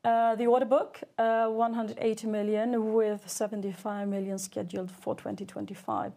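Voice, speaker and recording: Female CFO for an earnings call: soft-edged, warm timbre with noticeable fry, measured and businesslike. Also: mid-range voice, little pitch movement. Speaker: chief financial officer.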